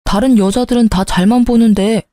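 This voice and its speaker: A woman's voice: a little high, steady tone, fairly quick, dark tone, dry recording, clean studio sound, natural voice. A woman voicing a selfish young husband who talks back in a defensive, dismissive way, reading a story. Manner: indignant, scornful.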